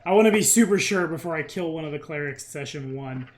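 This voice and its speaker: Male game master, slightly higher register, casual tabletop delivery, mutters rules and counts aloud. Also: animated, quick pace. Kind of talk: running a tabletop role-playing game.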